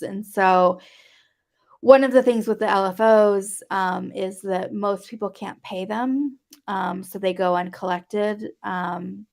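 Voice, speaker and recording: A woman's voice: lowish voice, vocal fry. A woman guest advocate answering interview questions, hesitant with many fillers.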